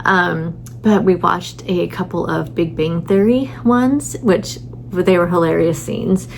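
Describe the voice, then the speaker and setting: Tired, rambling middle-aged woman, gravelly. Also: fairly low pitch, slow, a little hiss or hum. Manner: rambling, lots of fillers and restarts. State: tired and stuffy. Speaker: vlogger. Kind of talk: casual chatty vlog. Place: hotel room.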